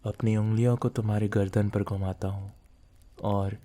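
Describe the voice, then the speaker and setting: A man's voice: fairly low pitch, level tone, moderate pace, mellow, lightly acted. A man playing a possessive, menacing mafia boss lover in an intimate ASMR roleplay, speaking in a threatening, teasing way to the listener. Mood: seductive, possessive.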